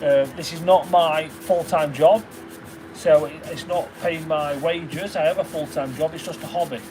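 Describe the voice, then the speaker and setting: A man's voice: fairly high pitch, steady tone, moderate pace, over music, low-quality recording. A man with a Derbyshire accent chatting casually on a livestream, thanking viewers and reading out their names. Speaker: livestreaming stone carver. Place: workshop.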